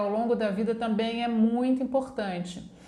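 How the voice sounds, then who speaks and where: In a room with audible echo, a woman speaks at a moderate pace in a fairly high, dark, mellow voice with monotone, flat intonation. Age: 60s. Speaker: dermatologist. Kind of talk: educational talk. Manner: casual, with fillers.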